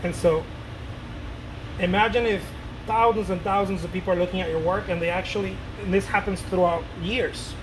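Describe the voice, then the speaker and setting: At a normal pace, a painter in his late thirties rambles casually to camera for his viewers. His fairly high voice is animated and loose, he repeats himself and curses offhandedly, and a clear, steady air-conditioning hum sits beneath it all.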